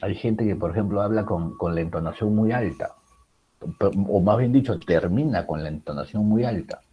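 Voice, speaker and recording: A man's voice: on the low side, normal speed, muffled recording, a little hiss or hum. A man teaching a writing class, explaining public speaking with many rhetorical questions and fillers. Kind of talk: recorded class lecture.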